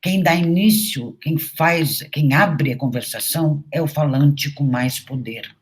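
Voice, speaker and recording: A woman's voice: sits low, unhurried. A middle-aged woman, a university professor, giving a recorded lecture in an anecdotal, storytelling way with frequent conversational tags.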